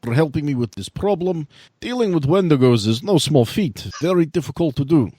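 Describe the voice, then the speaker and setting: A man playing a measured, courteous authority figure who speaks formally and deliberately in an improvised role-play game. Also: on the high side, lively intonation, mellow, breathy edge, no echo, pitched above the performer's own voice. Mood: proud, generous. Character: measured, courteous authority figure, proud host of his town.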